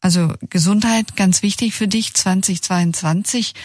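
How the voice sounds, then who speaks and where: A woman's voice: mid-range voice, fairly even intonation, moderate pace, a little mellow, no echo, studio quality. A woman presenting a news feature, reading scripted narration and asking questions in a conversational way.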